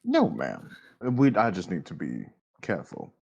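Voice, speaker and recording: Guy doing a polite young werewolf dude, low voice, halting formal gentleman talk, tabletop game, kinda lo-fi. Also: huge pitch swings, creaky, husky, heavily acted. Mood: courtly, guarded. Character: polite young male werewolf, courtly and guarded.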